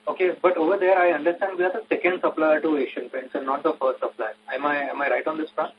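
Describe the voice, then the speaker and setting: A man's voice: a little high, steady tone, fast. A man asking questions as a financial analyst on a conference call. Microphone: conference call phone. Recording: muffled, noisy phone line.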